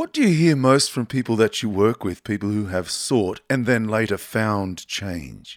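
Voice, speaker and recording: A man with an Australian accent speaks at a fairly low pitch, with ordinary pitch variation, a moderate pace and hardly any pauses. The sound is dry and close with no echo, on a very clean recording with a silent background. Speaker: podcast host and singer. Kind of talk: interview conversation.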